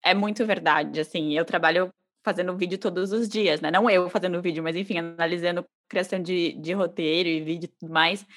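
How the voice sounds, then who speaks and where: A woman from Brazil co-hosting a podcast in a relaxed, teasing casual chat, laughing easily. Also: lowish voice, a little fast, few pauses. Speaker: podcast co-host.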